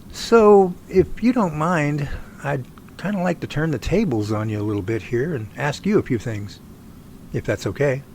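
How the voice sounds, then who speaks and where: A man playing an earnest research team leader in an amateur audio drama, talking in a folksy, halting way. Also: mid-range voice, a little hiss or hum, natural voice.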